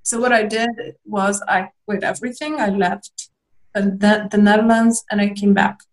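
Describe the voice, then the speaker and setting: A woman's voice: mid-range voice, fairly even intonation, normal speed, rough recording. A young woman from Lithuania, a guest in a candid interview, talking reflectively with hesitant restarts and small laughs.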